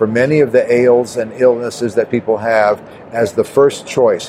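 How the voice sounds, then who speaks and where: A man's medium-pitched voice with an American accent and fairly even intonation, over noticeable background noise. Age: 70s. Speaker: herbal medicine expert. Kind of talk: interview. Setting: trade show floor.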